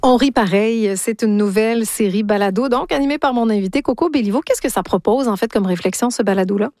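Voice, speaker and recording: A woman hosting a radio interview, asking questions in a clear, measured way. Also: on the high side, a little mellow, dry recording, studio quality, faint music behind. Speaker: radio host.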